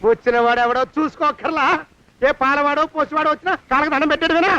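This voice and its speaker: An actor playing a vain, stingy, lecherous middle-aged landlord who scolds and blusters in comic film dialogue. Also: male voice, very high-pitched, fast, pushed and bright. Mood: scolding. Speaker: film comedian. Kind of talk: Telugu film comedy dialogue. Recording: dull lo-fi film soundtrack.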